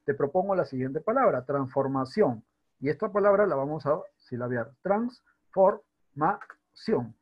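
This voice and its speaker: Husky teacher man, lo-fi recording. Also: on the high side, animated. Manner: checks in often with rhetorical questions; spells out words slowly by syllable. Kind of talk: recorded online grammar lesson.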